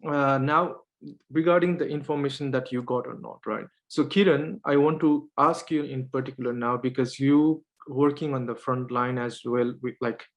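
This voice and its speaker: A man's voice: mid-range voice, fairly even intonation, moderate pace, poor audio. A man whose first language is Nepali, moderating an online panel over a video call, hesitant, with many fillers and restarts.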